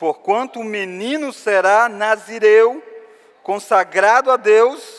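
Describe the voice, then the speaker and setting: The sound is dry and close with no echo as a man with a high voice speaks at a very slow pace, using ordinary pitch variation. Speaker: pastor. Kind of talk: church sermon.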